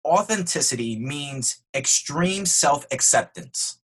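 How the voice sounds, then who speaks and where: A man's voice: a little high, lively intonation, slow, fairly bright tone, husky. A man being interviewed on a podcast, earnestly explaining his views step by step, with frequent restarts. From Spanish family background. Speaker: guest.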